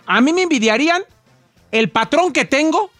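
A man's voice: extremely high pitch, lively intonation, moderate pace, a bit bright, no echo, soft background music. A man with a Mexican accent co-hosting a radio show, reading out listener messages in a dry, matter-of-fact way. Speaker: co-host.

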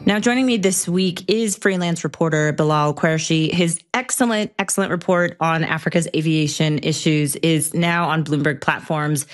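A woman's voice: low voice, normal speed, few pauses, faint music behind. A woman hosting a podcast, reading a scripted intro and guiding the guests with friendly questions. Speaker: podcast host.

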